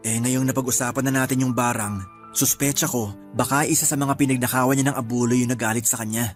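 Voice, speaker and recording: A man's voice: medium pitch, fairly even intonation, fast, close to an everyday voice. An actor playing a grieving young man at his uncle's wake in a radio drama. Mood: sad. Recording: faint music under the voice.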